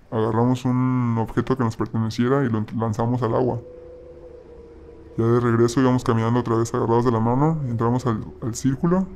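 A man recounts a personal story in a gravelly, flat voice. He speaks haltingly and keeps breaking off to restart his sentences. Faint noise sits under the voice. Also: mid-range voice. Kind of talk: personal story told casually.

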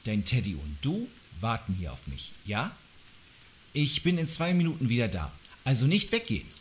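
A man's voice: medium pitch, wildly swooping pitch, normal speed, slight background noise. A young man playing a police trainee, speaking in a friendly, reassuring way. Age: young adult. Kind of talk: radio drama acting.

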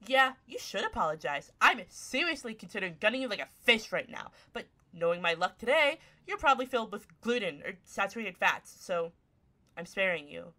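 A woman's voice: mid-range voice, big pitch swings, fairly quick, pushed and bright. A voice actress playing a grumpy tsundere young woman turned half cat, snappy, sarcastic and easily flustered, in a one-sided ASMR roleplay. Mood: bitter, threatening. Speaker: voice actor.

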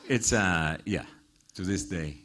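A man's voice: low-pitched, slow pace. A middle-aged man being interviewed on a small theater stage, speaking earnestly into a handheld microphone before a live audience. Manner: earnest, warm encouragement, laughs easily. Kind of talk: onstage conversation and audience Q&A.

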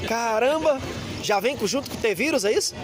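A man, vlogging loudly and excitedly with slang as he haggles with vendors. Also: very high-pitched, a little fast. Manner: loud, slangy, hyped, teasing vendors. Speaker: vlogger and game collector. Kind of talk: excited street-market vlog. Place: busy outdoor flea market. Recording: loud crowd and music behind.

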